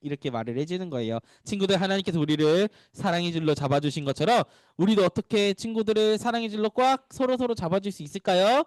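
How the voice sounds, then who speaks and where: A man who is a pastor, giving an animated, playful sermon to small children and asking them questions as he goes. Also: high voice, fast, hardly any pauses, dry recording. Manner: playful storytelling.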